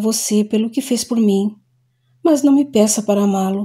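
Speaking at a moderate pace, a woman has a somewhat breathy voice with a dark, mellow tone. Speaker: audiobook narrator. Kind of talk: audiobook narration, reading a spiritist novel aloud with dialogue and drama.

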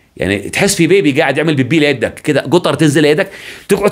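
Against a quiet background, a man talks at a very fast pace with an animated tone and lively intonation. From Yemen. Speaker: YouTube commentator. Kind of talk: monologue commentary. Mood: indignant, appealing, mocking. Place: home room. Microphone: studio mic.

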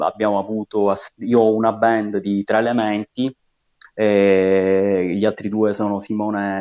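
A man talks against a quiet background. His intonation stays flat and monotone. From Sicily, Palermo; Sicily. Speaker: musician; guest. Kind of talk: interview. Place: home room. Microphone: earbuds.

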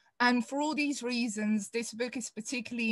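A woman speaks at a moderate pace in a somewhat breathy, monotone, flat voice, the sound dry with no echo and the background quiet. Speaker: event moderator. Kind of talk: panel discussion introduction. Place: home room. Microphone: webcam.

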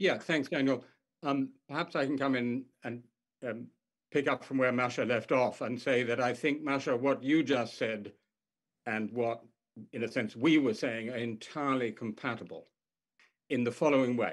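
A man with a British accent speaks at a moderate pace with fairly even intonation and long, frequent pauses. The background is quiet. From England. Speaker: historian; panelist. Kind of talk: panel discussion. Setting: video call. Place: home room. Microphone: video call.

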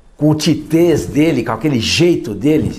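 Audible room echo accompanies a man speaking at a moderate pace with fairly high pitch. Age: old. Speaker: football commentator. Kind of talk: TV sports panel discussion.

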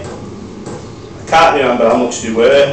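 A man's fairly even intonation amid audible room echo and noticeable background noise. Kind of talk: casual vlog chat. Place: garage. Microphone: camera far.

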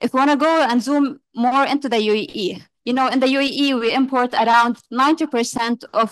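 A woman with a high pitch speaks at a fairly slow pace with ordinary pitch variation, in a dry sound with no echo and a quiet background. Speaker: presenter. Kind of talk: presentation talk. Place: studio.

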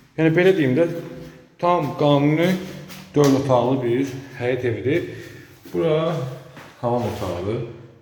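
Over noticeable background noise and audible room echo, a man with a fairly high pitch and lively intonation talks at a moderate pace, pausing long and often. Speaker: real estate agent. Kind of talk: property tour sales pitch.

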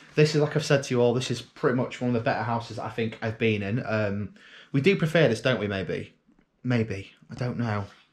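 Over a quiet background, a man talks fairly quickly at a medium pitch, somewhat breathy, with ordinary pitch variation. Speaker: YouTube vlogger. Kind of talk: house tour walkthrough. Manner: animated; halting.

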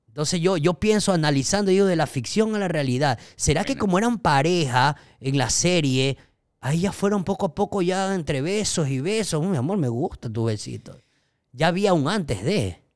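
At a moderate pace, a man with a high voice speaks with lively intonation. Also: quiet background. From Ecuador. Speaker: podcast host. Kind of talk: casual interview chat. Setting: studio. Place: studio. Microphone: studio mic.

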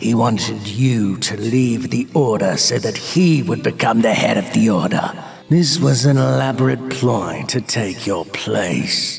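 The speaker uses a put-on character voice at a fairly slow pace. Background noise is clear. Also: man. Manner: insistent, accusing.

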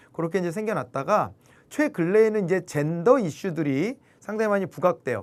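On a very clean recording with a silent background, someone talks at a moderate speed. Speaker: current affairs lecturer. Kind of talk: lecture.

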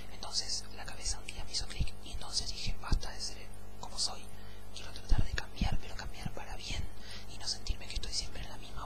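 Against loud background noise, a soft-spoken man whispers at a fairly quick pace. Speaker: vlogger. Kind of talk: casual vlog chat. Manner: soft whispered ASMR speech, close mic. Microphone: handheld.

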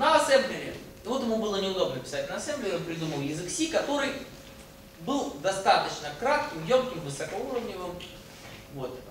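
A man's high-pitched voice with very wide pitch swings, a moderate pace and long, frequent pauses, with audible room echo and light background noise. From Moscow, Russia. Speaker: university lecturer. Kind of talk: lecture. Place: classroom. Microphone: camera far.

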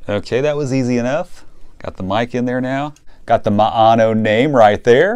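A man's slightly mellow voice with ordinary pitch variation. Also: medium pitch for a man, moderate pace.

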